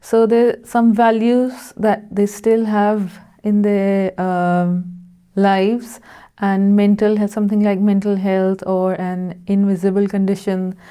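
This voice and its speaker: A woman born in Kenya and raised in Pakistan, speaking in a measured, reflective way in casual conversation. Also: medium pitch, little pitch movement, dark tone, clean tone.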